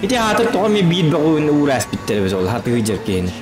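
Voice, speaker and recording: A man's voice: on the high side, big pitch swings, fast talker, music in the background. A man giving casual live gameplay commentary, muttering remarks to himself as he plays. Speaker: game streamer. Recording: game noise and engines behind the voice.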